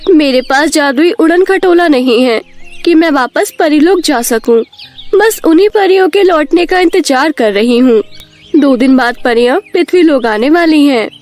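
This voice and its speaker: A woman voicing a tiny, kindly young fairy with a gentle, earnest manner in an animated fairy tale. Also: high voice, moderate pace, soft background music. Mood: sad.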